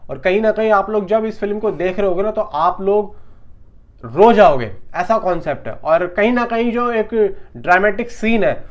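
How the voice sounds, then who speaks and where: A man's voice: high-pitched, expressive, normal speed, lo-fi sound. A man giving casual film news commentary in a conversational, emphatic, repetitive way, talking straight to his viewers.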